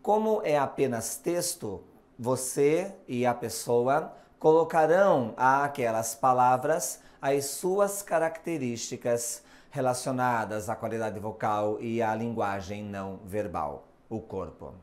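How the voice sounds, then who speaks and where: A man with a Brazilian Portuguese accent teaching a recorded video lesson on communication and hypnosis, speaking slowly and deliberately with clear emphasis. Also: mid-range voice, expressive, a little mellow. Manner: slow, deliberate explanatory delivery with emphasis.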